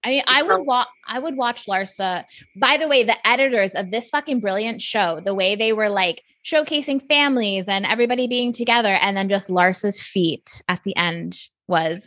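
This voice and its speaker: A woman with a slight Miami accent speaks at a fairly high pitch in a bright, sharp tone. Her intonation is lively and her pace moderate. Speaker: podcast co-host. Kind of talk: casual chat, comedic podcast banter.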